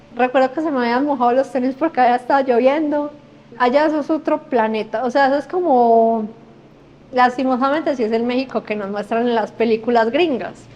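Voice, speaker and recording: A woman with a paisa accent talks at a fairly quick pace and a high pitch, with noticeable noise in the background. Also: ordinary pitch variation. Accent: paisa Colombian, marked. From Colombia, Medellín (paisa). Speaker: journalist and migrant. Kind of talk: interview. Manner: quiet, reserved.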